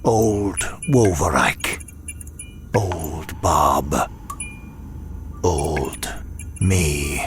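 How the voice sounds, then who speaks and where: An actor playing a weary, wry imprisoned demon in an audio drama, speaking in a measured, dryly sardonic way. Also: male voice, a bass voice, noisy background, heavily acted. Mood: brooding, weary. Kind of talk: first-person audio drama narration and dialogue.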